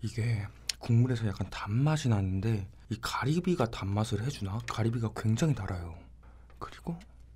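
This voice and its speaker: A man speaks at a moderate speed, his intonation lively. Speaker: food vlogger. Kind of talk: casual mukbang commentary. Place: home room.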